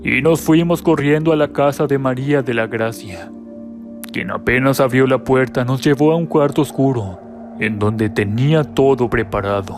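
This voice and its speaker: A man's voice: mid-range voice, moderate pace, music in the background. A man giving scripted, dramatic narration of a first-person horror story.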